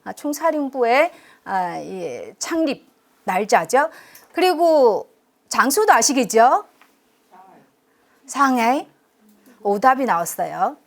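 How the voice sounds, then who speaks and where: In a lecture room, a middle-aged university professor from China delivers a public history lecture in Chinese-accented Korean. Her voice is a little high and sing-song, slow with frequent pauses. She is chatty and self-deprecating, quizzes her listeners, and leans on lots of fillers.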